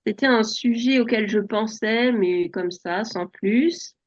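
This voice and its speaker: Soft-spoken woman in her forties. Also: medium pitch, slow, dull audio. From France. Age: 40s. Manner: soft-spoken, hesitant, many fillers. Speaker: podcast guest. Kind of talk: relaxed personal interview.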